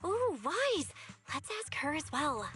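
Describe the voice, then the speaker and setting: An actress voicing a brisk, teasing woman in video game voice acting. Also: high-pitched, big pitch swings, a bit bright, soft background music, exaggerated voice.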